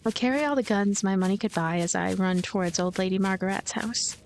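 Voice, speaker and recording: A woman reading a game's story aloud as a let's play host, with expressive narration and casual asides. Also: mid-range voice, a little fast, slight background noise. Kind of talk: voiced narration with casual commentary.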